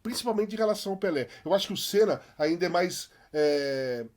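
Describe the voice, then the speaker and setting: A man's voice: high-pitched, animated, fairly quick, a little mellow. A man hosting a podcast, talking animatedly and emphatically in casual chat. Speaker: podcast host.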